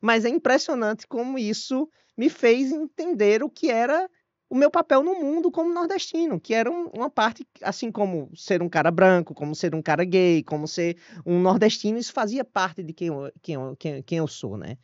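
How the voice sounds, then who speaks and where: A man with a northeastern Brazilian accent, a guest historian telling his own story in an interview, animated and self-deprecating. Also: high-pitched, moderate pace, no room sound. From Northeast Brazil (Paraíba, Ceará). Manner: animated, self-deprecating, frequent restarts and laughs. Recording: dull lo-fi dry audio.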